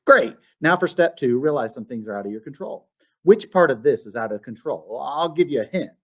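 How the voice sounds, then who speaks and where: A man's voice: medium pitch, lively intonation, fairly quick. A man voicing a patient female math teacher in a storybook, encouraging and instructive. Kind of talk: storybook read-aloud.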